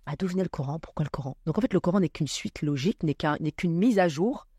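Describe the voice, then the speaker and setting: A woman speaking as a podcast guest, reflecting on spiritual matters with many pauses and fillers. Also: low voice, lively intonation, mellow, husky, no room sound.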